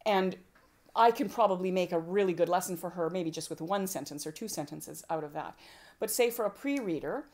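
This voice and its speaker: Lively, low-pitched woman teaching homeschool parents. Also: fairly quick. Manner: lively, acts out parent and child exchanges. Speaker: homeschooling workshop presenter. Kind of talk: informal teaching talk to a group.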